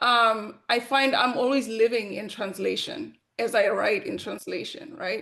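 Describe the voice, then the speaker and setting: The speaker's bright, sharp tone carries vocal fry and ordinary pitch variation. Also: woman, fairly high pitch for a woman. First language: a Southern African language, not English. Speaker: novelist and panelist. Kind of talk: panel discussion. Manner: halting, with many fillers.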